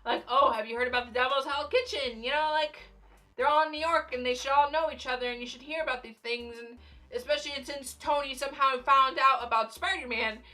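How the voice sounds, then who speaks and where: A young woman vlogging casually about films, rambling with many fillers and a voice going a little hoarse. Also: high voice, a little fast, poor audio. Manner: rambling, animated fangirl talk with frequent fillers and laughs. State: losing her voice, slightly hoarse. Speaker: YouTuber. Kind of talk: casual vlog commentary.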